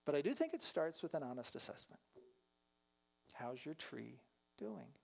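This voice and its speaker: A male pastor delivers a sermon in an earnest tone and keeps asking the listeners searching questions. His voice is high, with a gravelly, creaky grain that stays steady throughout. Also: moderate pace. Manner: earnest, asks reflective questions.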